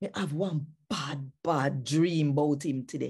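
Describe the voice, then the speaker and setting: A woman speaks in a Jamaican accent. Her tone is dark and mellow, and somewhat breathy. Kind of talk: scripture reading.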